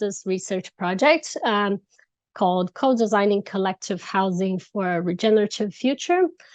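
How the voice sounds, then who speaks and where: A woman with a Portuguese accent talks at a moderate pace, her pitch fairly high and her intonation lively. The sound is dry and close, with no echo. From southern Brazil. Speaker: architecture researcher. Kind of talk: conference presentation. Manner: hesitant, many fillers.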